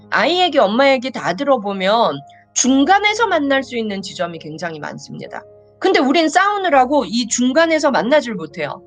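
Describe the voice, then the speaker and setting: A woman lecturing live with a fairly high voice that swings widely up and down. She speaks emphatically, repeats key points and keeps adding quick little affirmations. Faint music sits behind her. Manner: animated, emphatic, acts out example dialogues and repeats points; frequent affirming "yes" fillers. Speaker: lecturer on family communication.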